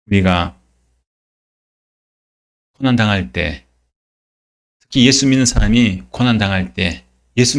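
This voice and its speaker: A male pastor preaching a Sunday sermon, emphatic, asking rhetorical questions and answering them himself. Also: on the low side. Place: church.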